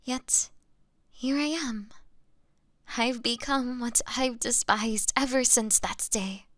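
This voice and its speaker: A woman playing a gentle young female vampire in an audio roleplay, apologetic and halting, with a breathy voice that often drops to a whisper. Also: a little high, no echo, studio quality. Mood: sorrowful, haunted. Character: gentle young female vampire, remorseful, fighting her bloodlust. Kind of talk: scripted dramatic audio roleplay monologue.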